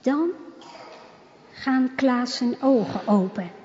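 A woman narrating a religious children's story, reading in a slow, measured way. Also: a little high, a little mellow. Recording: reverberant, dull lo-fi sound.

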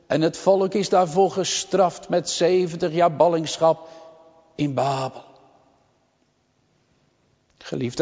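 Slow solemn preacher in a reverberant church. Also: male voice, fairly high pitch, a little mellow. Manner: slow, solemn, deliberate delivery with long pauses. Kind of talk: sermon. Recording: long church reverb, dull lo-fi sound.

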